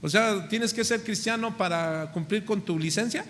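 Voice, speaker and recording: Un pastor mexicano que predica un sermón con acento mexicano, lanzando preguntas a la congregación y alargando las palabras clave. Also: male voice, high voice, a bit bright, a little hiss or hum. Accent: Mexican Spanish. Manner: preaching with questions to the congregation, slowing on key words. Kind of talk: sermon. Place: church hall. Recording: church hall reverb.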